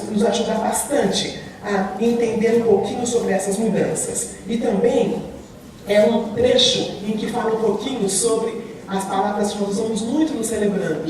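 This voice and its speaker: A woman giving an earnest testimony sermon in a church, speaking with emphasis and addressing the congregation warmly. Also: mid-range voice, a little hiss or hum. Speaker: speaker at a church recovery program. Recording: very echoey hall, from far off.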